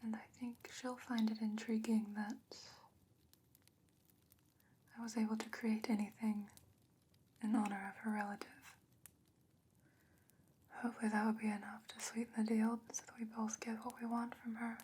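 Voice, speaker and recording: A woman acts out a knowing fantasy sorceress in an ASMR roleplay. She speaks in a breathy, measured whisper that stays very even in pitch, with some noise behind her. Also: natural voice. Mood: quietly advising. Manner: hushed, measured, deliberate. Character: calm, knowing fantasy sorceress potion-maker.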